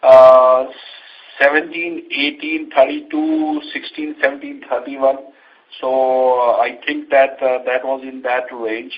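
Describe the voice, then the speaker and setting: A man with an Indian accent, an executive giving unscripted answers on an earnings call in a halting way, often repeating phrases. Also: mid-range voice, animated. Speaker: company executive answering investor questions. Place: conference call line. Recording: dull lo-fi conference call audio.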